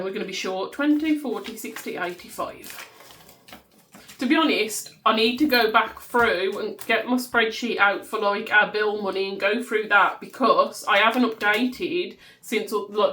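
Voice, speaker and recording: A woman in her thirties with a Black Country accent talks loudly and casually at her home desk, rambling as she counts notes into envelopes. Her pitch sits in an ordinary middle range. A faint hiss lies under the recording. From West Midlands, England. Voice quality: loud voice. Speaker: budgeting vlogger. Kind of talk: casual chat while counting cash.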